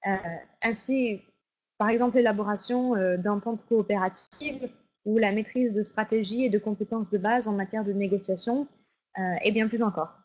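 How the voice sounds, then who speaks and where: A woman's voice: medium pitch, steady tone, moderate pace, a little mellow. A woman facilitating an online webinar, going through the rules in an orderly way with frequent fillers. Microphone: video call. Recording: lo-fi webinar audio.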